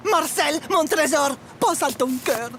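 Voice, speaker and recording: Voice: high voice, animated, measured pace, very noisy. An actor voicing a doting, fussy cartoon dog owner who gushes in baby talk. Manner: gushing baby talk to a pet. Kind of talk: animated series acting.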